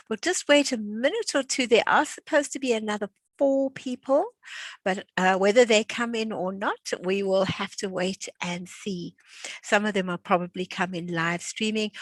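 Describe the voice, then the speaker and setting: A woman's voice: mid-range voice, no echo. Older woman, class instructor, chatty, video call, dry close sound. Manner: chatty, friendly, lots of fillers and restarts. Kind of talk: casual chat before an online class. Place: at home.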